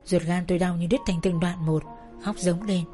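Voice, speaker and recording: A woman's voice: lowish voice, steady tone, moderate pace, warm tone, soft background music. Sorrowful woman narrating a story. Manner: sorrowful, emotional. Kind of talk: first-person dramatic story narration.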